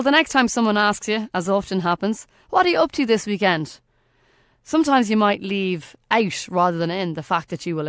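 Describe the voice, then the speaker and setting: Irish woman doing a faith reflection, earnest, leans into key words, mid pitch, dry close sound. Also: clean tone, no echo. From Ireland. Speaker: podcast host.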